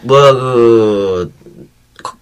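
A man's voice: mid-range voice, extremely slow, smooth. A man hosting a talk show in casual chat, with a loose, blunt, colloquial way of talking.

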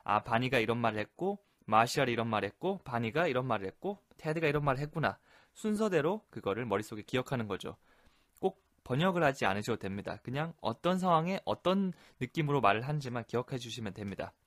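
A man teaching English expressions in a relaxed explanatory lesson, repeating phrases slowly for practice. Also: mid-range voice, no room sound, clean studio sound. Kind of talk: Korean-language English lesson explaining sitcom lines.

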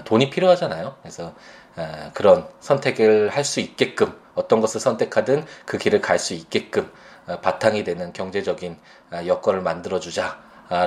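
A man with a very deep voice talks about raising his son. He speaks slowly and hesitantly, filling pauses with soft sounds as he gathers his thoughts. His tone is reflective and personal. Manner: slow, hesitant, many fillers. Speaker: father.

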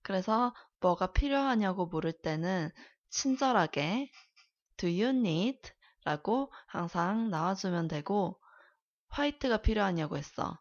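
A woman thinking aloud slowly while she practices simple English questions in a casual lesson chat. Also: medium pitch, expressive, lo-fi sound. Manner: slow, thinking aloud, laughs often.

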